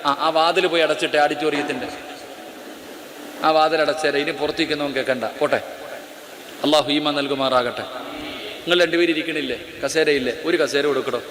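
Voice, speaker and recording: Male preacher, live sermon, commanding storyteller; slightly high voice, roomy hall reverb. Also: fairly even intonation, normal speed, long pauses, fairly bright tone, a little hiss or hum. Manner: commanding, bossy asides to the crowd, then dramatic storytelling. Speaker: Islamic preacher. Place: auditorium. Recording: echoey auditorium with long reverb.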